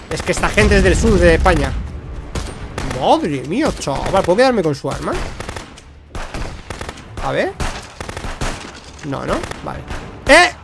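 Excitable gaming streamer, man. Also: on the high side, gravelly. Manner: excitable, shouts during firefights, jokey. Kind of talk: gameplay commentary. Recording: faint gunfire noise behind.

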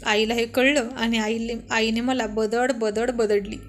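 High-voiced woman telling a story. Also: little pitch movement, unhurried, faint music behind. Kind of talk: storybook narration.

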